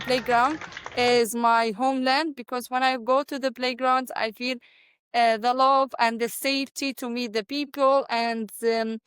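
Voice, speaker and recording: A woman's voice: a little high, a bit bright, clean tone, no room sound. A twenty-year-old woman from Syria with a Syrian Arabic accent, introducing herself earnestly in careful second-language phrasing. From Deir ez-Zor, Syria. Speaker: interview guest, student cricketer. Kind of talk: personal self-introduction.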